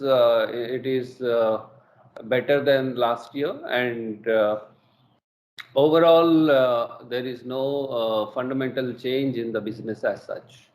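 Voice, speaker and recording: A middle-aged man with an Indian English accent presents quarterly results on an earnings call, measured and full of hesitations. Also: mid-range voice, darkish tone. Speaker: company executive presenting results. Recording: echoey room with faint ambience.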